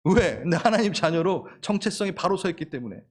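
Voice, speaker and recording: A middle-aged man preaching a sermon as pastor, animated and playful, acting out quoted lines and laughing at his own jokes. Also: high-pitched, fairly quick.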